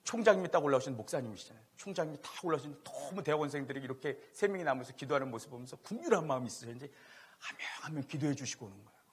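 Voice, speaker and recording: Animated, husky-voiced Korean pastor. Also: male voice, on the high side, racing. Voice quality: loud voice. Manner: animated, swings from loud to hushed, laughing at himself. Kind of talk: sermon with personal storytelling. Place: church sanctuary.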